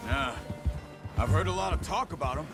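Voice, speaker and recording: An actor playing a wary, self-reliant Western outlaw tracker in a video game, terse and plain-spoken, with an American accent. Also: male voice, on the high side, animated, a little fast, lightly acted. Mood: matter-of-fact. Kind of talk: video game character dialogue. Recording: loud music behind the voice. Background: loud game music.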